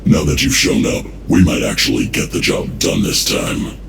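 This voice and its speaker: A man's voice: sing-song, moderate pace, noisy background, full character voice. A man voicing a smug, menacing villain agent in a video game, condescending and full of mock sympathy. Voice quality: very deep, gravelly. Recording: roomy echo, music behind.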